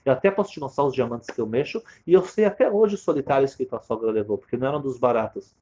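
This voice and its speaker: A man's voice: medium pitch, lively intonation, quick pace, warm tone, muffled recording, natural voice. A man voicing a precise, firm older jeweler in a sermon story, speaking in an insistent, emphatic way.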